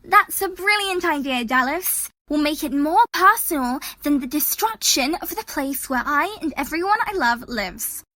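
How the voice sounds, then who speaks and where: A woman's voice: high voice, lively intonation, moderate pace, few pauses, pushed and bright, no room sound. A woman playing an exasperated, sceptical young woman in an audio drama, sarcastic and matter-of-fact.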